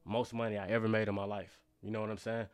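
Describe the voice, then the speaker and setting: A man's voice: on the low side, level tone, fast, smooth, dry recording. A young man with an African American accent telling stories in a casual, slangy, conversational way. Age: young adult. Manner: slangy, conversational, often says bro and you know what I'm saying. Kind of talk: casual storytelling chat.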